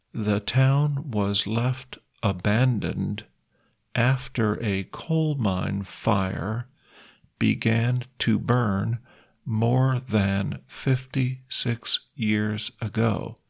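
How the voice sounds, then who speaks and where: A man with an American accent speaks very slowly at a medium pitch, with ordinary pitch variation and very even loudness. The recording is very clean, with a silent background. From US, Pennsylvania. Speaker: English teacher and podcast host for Thai learners. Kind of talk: language lesson; reading aloud. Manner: slow, clear.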